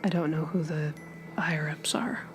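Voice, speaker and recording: Tabletop game role: down-on-his-luck male gumshoe, low, hushed, halting, defensive female performer. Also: steady tone, faint music behind. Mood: defensive, pleading. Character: down-on-his-luck male private investigator, evasive, pleading.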